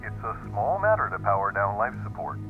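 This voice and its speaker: An actor playing a cold, ruthless computer program in a science fiction audio drama, formal and threatening. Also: male voice, fairly low pitch, big pitch swings, a little fast, soft background music. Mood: cold menace. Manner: formal, menacing. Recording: dull radio-like sound.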